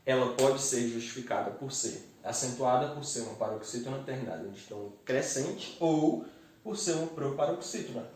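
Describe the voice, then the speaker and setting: A man teaching grammar step by step and slowly sounding out the syllables of each word. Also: mid-range voice, a little mellow. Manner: methodical, spells out syllables slowly. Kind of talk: explaining grammar exercises. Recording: very echoey room, distant mic.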